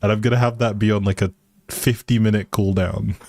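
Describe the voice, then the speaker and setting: A man's voice: on the low side, fairly even intonation, fairly quick, creaky, darkish tone, no echo. A man livestreaming a game with casual, playful, teasing chat to his viewers.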